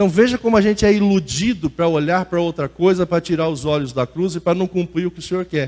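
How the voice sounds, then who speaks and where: A man talks with a high pitch and ordinary pitch variation. His pace is fairly quick, with hardly any pauses. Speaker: pastor. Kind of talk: sermon. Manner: animated.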